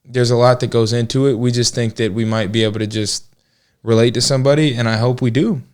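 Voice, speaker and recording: A man's voice: mid-range voice, steady tone, quick pace, a little mellow, clear, resonant tone. A man in his twenties with an American accent, chatting casually as a podcast co-host in a joking, talkative way. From Georgia, United States. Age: 20s. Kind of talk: casual relationship podcast chat.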